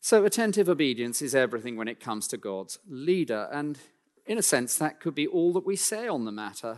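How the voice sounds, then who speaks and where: A man's fairly high voice in a British accent with very wide pitch swings and a fairly quick pace, against a quiet background. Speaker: preacher. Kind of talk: sermon. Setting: church.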